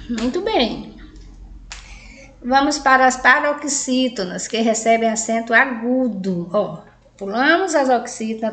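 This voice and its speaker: A woman's voice: on the high side, reverberant. A Brazilian woman teacher giving a grammar lesson to adult learners, spelling out examples one by one and often adding "né?". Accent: Brazilian Portuguese. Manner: slow, spells out examples word by word, frequent "né?" tags.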